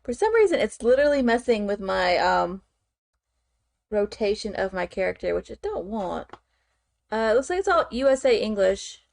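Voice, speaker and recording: A woman's voice: mid-range voice, sing-song, moderate pace, vocal fry, darkish tone, no echo. A woman streamer chatting casually as she works, thinking aloud with frequent fillers and "okay"s. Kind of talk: casual chat while working on screen.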